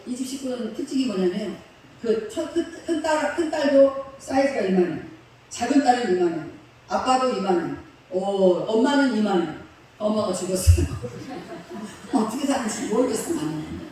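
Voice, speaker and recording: A woman's voice: fairly high pitch, lively intonation, moderate pace, warm tone, a little hiss or hum. A woman pastor telling a story in a sermon, in a chatty, colloquial way, laughing along with the congregation. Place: church sanctuary. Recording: echoey hall from far off.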